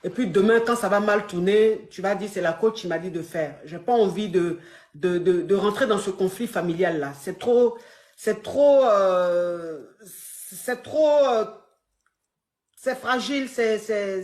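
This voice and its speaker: A woman's voice: medium pitch, unhurried, darkish tone, reverberant. A woman coach giving advice on a call, firm and repetitive, addressing the caller affectionately. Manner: firm, repeats herself, calls caller "my dear". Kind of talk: phone-in advice.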